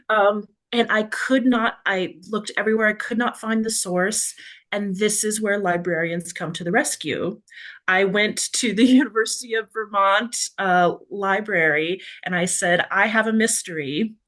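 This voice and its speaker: A woman illustrator chatting casually about her work, telling a story in a lively, talkative way. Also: medium pitch, measured pace. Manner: chatty, storytelling, laughs between phrases. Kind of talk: casual panel chat about a book.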